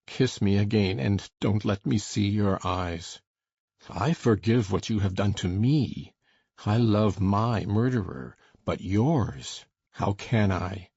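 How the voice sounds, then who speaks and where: An actor playing Heathcliff, a fierce, desperate, brooding man, speaking low and urgent in a dramatized audiobook reading. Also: slow pace, gravelly, a little mellow, slightly rough, dry recording, heavily acted. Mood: anguished. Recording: dull lo-fi dry recording.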